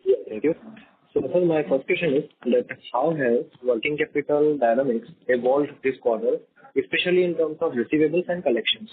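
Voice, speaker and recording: A man's voice: a little high, brisk, breathy edge. A man calling in as an investor, asking polite, formal questions. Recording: muffled, narrow phone line.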